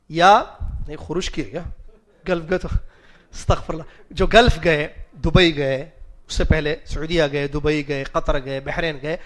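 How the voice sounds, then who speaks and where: اونچی آواز والا مرد استاد، طلبہ سے سوال کرتا ہوا. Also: male voice, a little high, fairly bright tone. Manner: questions the class and spells out Arabic root letters slowly; mixes English words into his speech. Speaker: religious teacher. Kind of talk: classroom lecture.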